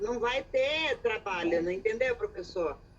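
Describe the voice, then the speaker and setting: With noticeable background noise behind her, a woman talks at a moderate pace as her pitch swings very widely. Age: 60s. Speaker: audience member. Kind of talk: debate question from audience.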